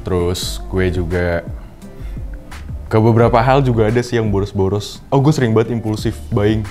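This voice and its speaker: A low-pitched man talks in an easygoing, candid way. Faint music sits under his voice. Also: moderate pace, a little mellow. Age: 20s. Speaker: student and worker. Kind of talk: casual chat.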